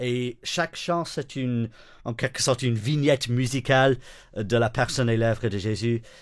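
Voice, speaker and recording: The speech comes with an English accent and fairly even intonation. The recording is very clean, with a silent background. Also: man. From northern England. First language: English (speaking French). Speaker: worship songwriter and pastor. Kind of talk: casual interview.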